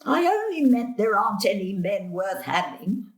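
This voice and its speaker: An actress plays a meddling old grandmother in a stage drama. She speaks at a medium pitch for a woman. Her manner is blunt and querulous, indignant and a little muddled. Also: big pitch swings, moderate pace, close to an everyday voice. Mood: blunt, scornful. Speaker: stage actor. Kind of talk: dramatic dialogue in a play.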